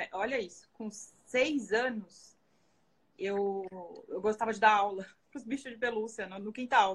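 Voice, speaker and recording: Talking at a fairly slow pace, a woman with a fairly high pitch makes big swings in loudness and takes long, frequent pauses. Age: 30s. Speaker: civil engineer and university lecturer. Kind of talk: live stream counseling conversation.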